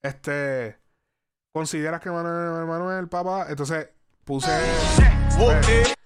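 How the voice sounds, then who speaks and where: A man's voice: fairly high pitch, slow, loud music behind the voice. A man hosting a casual chat, rambling and restarting his sentences, swearing casually.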